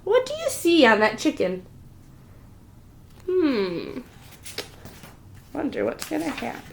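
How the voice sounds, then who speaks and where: A woman with a high, very animated voice reads a storybook to preschoolers as their teacher. She keeps pausing the tale to ask questions, repeat words and invite answers. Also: creaky, slight background noise. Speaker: preschool teacher reading aloud. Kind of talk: interactive storybook read-aloud for young children.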